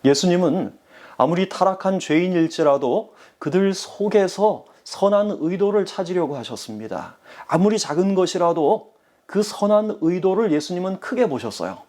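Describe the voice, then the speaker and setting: A man's voice: sits high, lively intonation, moderate pace, darkish tone. A man preaching a sermon as pastor, speaking earnestly and addressing the congregation directly.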